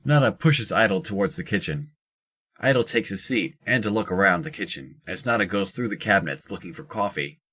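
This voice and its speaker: An audio drama narrator with a very low-pitched voice and a fairly bright tone reads scripted narration, describing the characters' actions as they happen. The delivery is animated and fairly quick.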